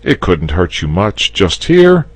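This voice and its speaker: A man's voice: sits low, very animated, slow, no echo, pitched above the performer's own voice, heavily acted. A man voicing a confident, patient knight in a storybook reading, raising his voice and coaxing. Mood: persuading. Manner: persuasive, patient.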